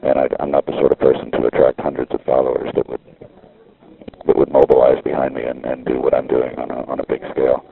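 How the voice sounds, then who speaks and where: Man, payphone call, very deep gravelly voice, tinny phone line, halting rambling talk. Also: completely flat delivery. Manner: halting, with frequent restarts. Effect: talking over a payphone line. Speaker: caller recording a phone message. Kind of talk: rambling casual monologue. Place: outdoor street payphone.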